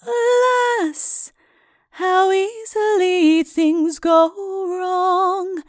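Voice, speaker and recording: A woman playing a sweet-voiced singer of sad old ballads, singing slowly with a mournful lilt in an audiobook. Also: very high-pitched, steady tone, no room sound, clean studio sound, faint music behind, heavily acted. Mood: sorrowful. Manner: mournful, drawn-out lilting delivery. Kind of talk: slow sung ballad.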